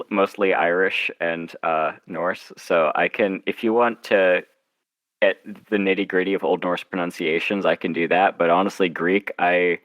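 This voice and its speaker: A man with a fairly low voice chats casually as an interviewed author. His manner is wry and self-deprecating. The sound is dry, with little room around him. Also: a bit bright, no echo, poor audio. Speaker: guest author discussing own story.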